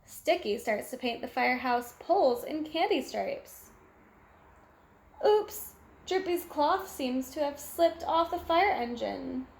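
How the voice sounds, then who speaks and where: Female storyteller for a children's picture book, high voice, expressive delivery, echoey room. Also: slow, gravelly. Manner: animated, exclamatory, acts out sound effects. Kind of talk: expressive children's read-aloud narration.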